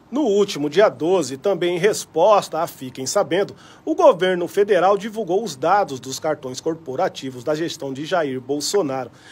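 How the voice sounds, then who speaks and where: A man with a Brazilian accent at a moderate pace. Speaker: news presenter. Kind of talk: news reading, scripted broadcast delivery. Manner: formal, even and measured; steady, neutral, fact-by-fact pace.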